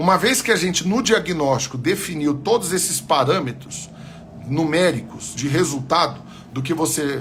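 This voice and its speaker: A man talks at a moderate pace in a fairly high pitch, with ordinary pitch variation and an animated tone. Noticeable background noise can be heard. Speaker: pastor and business mentor. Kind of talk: live online business class with preaching. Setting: livestream.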